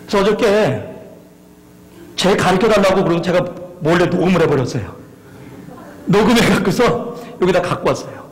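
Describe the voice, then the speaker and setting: A male pastor preaching a sermon in a church, animated and putting questions to the congregation. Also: sits high, moderate pace, pauses often. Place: church sanctuary. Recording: long hall reverb.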